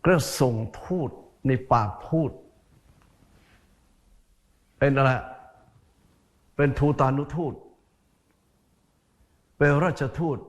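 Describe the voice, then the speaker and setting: With a mid-range voice, this male Buddhist monk speaks extremely slowly, leaving long pauses. His folksy sermon addresses listeners directly as "sir," and he repeats words for emphasis.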